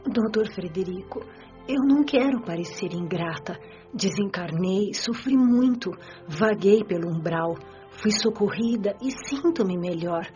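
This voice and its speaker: A woman's voice: medium pitch, lively intonation, a little slow, dark tone, natural voice. An actress with a Brazilian accent playing a tearful, discontented spirit woman who laments and pities herself in an audio drama. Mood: tearful, suffering. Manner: whiny, lamenting, self-pitying. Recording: dull lo-fi audio, music behind.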